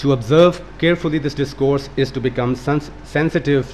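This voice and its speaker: A man with a non-native accent speaks at a moderate pace in a medium pitch. His intonation is fairly even, with noticeable background noise behind him. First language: not English. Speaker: academic speaker. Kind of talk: lecture. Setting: seminar room with audience. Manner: formal.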